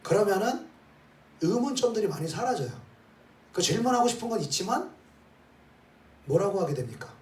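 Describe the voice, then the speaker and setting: A man's voice: sits high, animated, moderate pace, long pauses. A man, a pastor, preaching a sermon and leading his congregation through scripture, peppering his points with rhetorical questions and "eh?" tags. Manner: leads the congregation in reading scripture aloud. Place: church sanctuary. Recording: roomy hall, voice from some distance, faint ambience.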